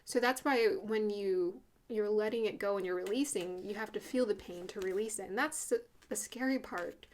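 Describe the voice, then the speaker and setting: A woman giving a casual spiritual card reading, talking earnestly and chattily with fillers and soft laughs. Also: medium pitch, normal speed, slight background noise. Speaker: spiritual reader doing a tarot card reading.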